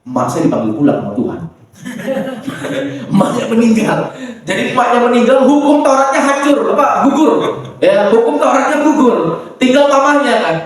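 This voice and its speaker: Lively Indonesian pastor preaching in an echoey hall. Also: male voice, very high voice, a little fast, crowd noise. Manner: lively preaching with acted-out quotes. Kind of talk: sermon. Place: church hall. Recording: echoey church from far off.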